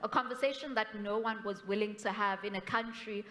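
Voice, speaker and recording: A young woman activist from South Africa speaks earnestly and deliberately on a panel. Her middle-pitched voice rings through a large hall. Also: pushed and bright. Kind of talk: panel discussion answer. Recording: hall reverb, stage mic.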